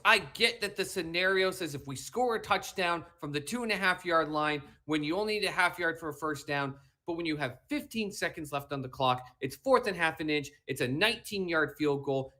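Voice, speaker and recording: A man's voice: fairly high pitch, bright, forceful tone. A man co-hosting a sports talk show, lecturing emphatically and repeating his points, with a whiny, slightly mushy voice. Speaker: podcast co-host. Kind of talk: animated sports talk rant.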